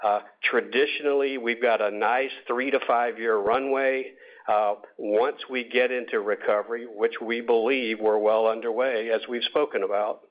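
A man speaking as a company executive on an earnings call, answering analysts in measured, short deliberate phrases over a conference line. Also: medium pitch, steady tone. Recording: narrow tinny conference phone line.

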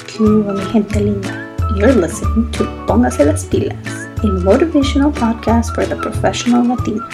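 A woman's voice: fairly high pitch, wildly swooping pitch, fairly quick. A woman host reading the upbeat scripted intro of her podcast. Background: intro music.

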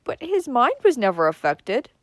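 A woman's voice: high-pitched, huge pitch swings, moderate pace, a bit bright, no echo, pitched above the performer's own voice, full character voice. Woman playing a sobbing, put-upon older mother. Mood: wounded. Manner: sobbing, moaning, plaintive.

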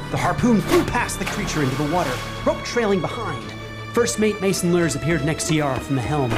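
A man narrating a horror fantasy game as game master, in a solemn, suspenseful, dramatic style. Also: a little high. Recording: loud music bed. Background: music.

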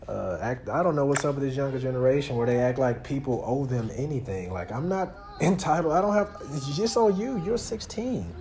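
A man's voice: medium pitch, animated, brisk, few pauses, warm tone. A man in his thirties, a father and podcast host, venting in a rambling, earnest way and talking straight to his listeners. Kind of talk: casual venting monologue. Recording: noisy background.

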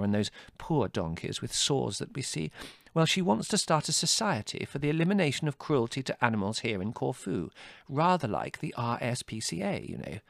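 A man voicing a middle-aged mother in an audiobook, gentle and fond, fussing and soothing but firm. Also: medium pitch, gravelly, no echo, studio quality, pitched above the performer's own voice. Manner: hesitant, soothing, fond protests. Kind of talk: audiobook character dialogue.

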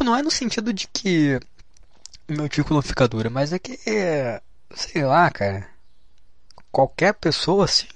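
A young adult man, a vlogger with a Brazilian Portuguese accent, delivers a casual, blunt monologue in a mid-range, fairly bright voice over a dry recording. He reads passages aloud from a book and then comments, swearing often and saying "cara" a lot.

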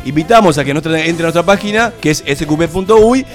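A man, co-hosting a radio show with quick-fire teasing banter. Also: on the high side, expressive, soft background music. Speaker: radio co-host. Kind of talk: casual studio banter.

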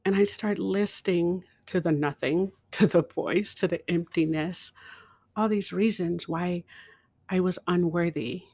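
A woman telling a personal story in a slow, emotional way, with dramatic pauses. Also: on the low side, dark tone, slightly rough, no room sound. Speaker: speaker.

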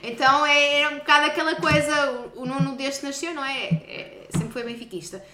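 High-voiced Portuguese woman in an echoey room. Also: fairly even intonation, a little fast. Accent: European Portuguese. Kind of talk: casual chat. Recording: noisy echoey room with kitchen clatter.

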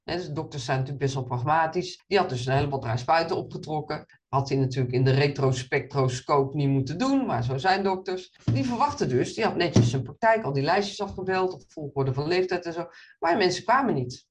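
A middle-aged woman surgeon and professor, answering interview questions in an animated, storytelling way with many restarts. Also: low-pitched, brisk, slight background noise. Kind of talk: interview in front of an audience.

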